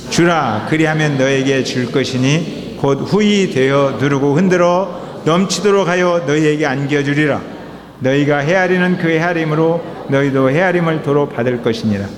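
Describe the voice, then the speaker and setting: Animated man preaching in an echoing hall. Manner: animated preaching, reading scripture aloud, calling for amens. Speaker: pastor. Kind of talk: sermon. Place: church sanctuary. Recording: reverberant hall with faint rumble.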